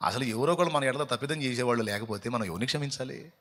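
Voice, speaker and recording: A man's voice: mid-range voice, fast. Dramatic male preacher in a reverberant hall. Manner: dramatic and scolding, with rhetorical questions and sudden loud peaks. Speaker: pastor. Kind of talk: fasting prayer sermon. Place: church hall.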